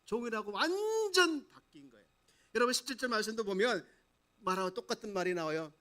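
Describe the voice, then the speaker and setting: A man's voice: high-pitched, animated, a little fast, sharp tone. A male pastor preaching a sermon, asking the congregation questions and dramatizing the story.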